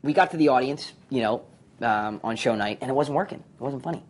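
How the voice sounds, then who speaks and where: A man, a former sitcom actor, telling stories in an interview, animated and full of fillers. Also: mid-range voice. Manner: fast, animated storytelling with many fillers. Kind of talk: retrospective interview.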